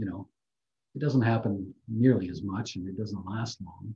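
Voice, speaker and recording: A man speaks softly and somewhat breathily, with a fairly low pitch and a dark, mellow tone. His pace is moderate and his intonation fairly even. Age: 70s. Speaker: spiritual teacher. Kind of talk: webinar talk. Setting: video call. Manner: soft-spoken. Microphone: too quiet, moved closer to mic.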